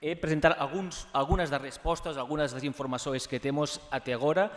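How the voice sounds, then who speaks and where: A man with a Catalan accent presents at an academic conference, his voice pitched a little above the usual. He stops and restarts often and slides between languages as he goes. The sound carries a long reverb from a university hall. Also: steady tone. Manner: halting, many fillers and restarts, drifting between languages.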